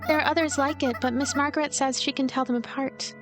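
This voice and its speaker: A woman's voice: high-pitched, fairly even intonation, quick pace, pitched above the performer's own voice, lightly acted. A woman voicing a cheerful, optimistic ghost girl in a visual novel, with a light and playful manner. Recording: music behind the voice.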